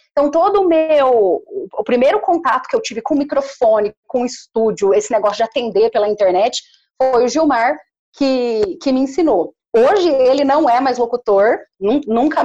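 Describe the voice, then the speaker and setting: A woman's voice: on the high side, darkish tone, muffled recording. A woman from Paraná with a caipira country accent, chatting and explaining emphatically in a casual interview. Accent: caipira country accent of northern Paraná. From Paraná, Brazil. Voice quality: good clear diction. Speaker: commercial voice-over artist.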